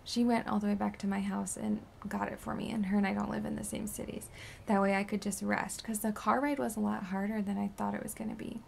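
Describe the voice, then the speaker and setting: A woman in her twenties, tired and sore after surgery, rambling casually in a raspy voice that sometimes drops to a whisper. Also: mid-range voice, little pitch movement, fast, a little hiss or hum. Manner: rambling, drifting into soft whispers. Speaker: beauty vlogger. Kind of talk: casual post-surgery update vlog.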